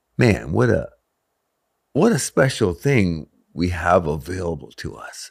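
With an American accent, a man speaks in a very deep, low pitch with vocal fry and very wide pitch swings. The recording is very clean with a silent background. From US Northeast, Stratford, Connecticut. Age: 70s. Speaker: masters runner, former rock bassist. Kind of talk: casual interview.

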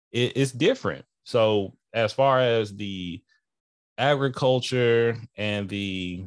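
A man with a Texas accent and ordinary pitch variation, on a very clean recording with a silent background. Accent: Southern US, Texas. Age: 30s. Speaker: podcast host. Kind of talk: casual chat.

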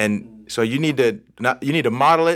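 A man with an American accent and an ordinary speaking voice talks with a fairly high pitch and ordinary pitch variation in a very clean recording with a silent background. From Texas. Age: 50s. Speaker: church minister. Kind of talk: casual interview.

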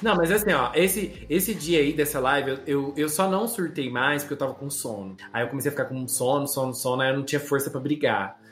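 A man's plain, everyday voice, fairly high in pitch, with lively intonation, a fairly quick pace and hardly any pauses. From Brazil. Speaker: podcast host. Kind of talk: casual chat.

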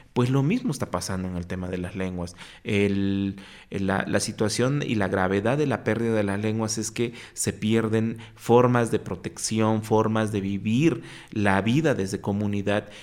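On a very clean recording with a silent background, a man with an ordinary speaking voice talks at a fairly slow pace and fairly low pitch, with ordinary pitch variation. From Mexico, Oaxaca (Mixtec town). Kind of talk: interview.

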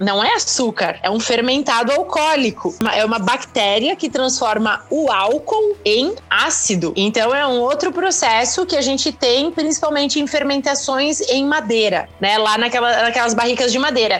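Over noticeable background noise, a woman with a high pitch speaks at a moderate pace with lively intonation, very even loudness and hardly any pauses. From Brazil, Caxias do Sul, Rio Grande do Sul. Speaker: yeast scientist and brewing business owner. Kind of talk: casual interview chat.

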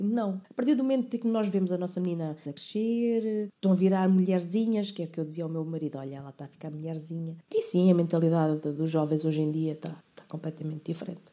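A woman's fairly low voice with a dark, mellow tone, at a very fast pace with hardly any pauses, ordinary pitch variation and big swings in loudness. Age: 40s. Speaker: mother. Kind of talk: interview.

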